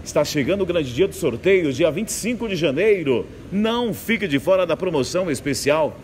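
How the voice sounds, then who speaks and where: Hard-sell supermarket pitchman, noisy store. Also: expressive, a little fast. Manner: hard-sell ad delivery, urging and repetitive. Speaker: supermarket promotional announcer. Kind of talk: live in-store advertising pitch. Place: large supermarket floor, indoors. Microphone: handheld microphone, phone video. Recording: clear store ambience noise.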